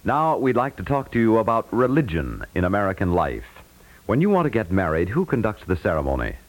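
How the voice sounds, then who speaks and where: A man's voice: lowish voice, big pitch swings, a little fast. A man announcing in an earnest, formal, scripted 1950s radio style. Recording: vintage 1950s radio recording.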